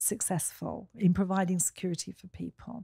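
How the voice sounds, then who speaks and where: With an American accent, a woman talks at a moderate pace in a dark, mellow, somewhat breathy voice with ordinary pitch variation. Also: quiet background. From England. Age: 60s. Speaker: business founder; guest. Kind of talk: interview. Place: studio. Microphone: studio mic.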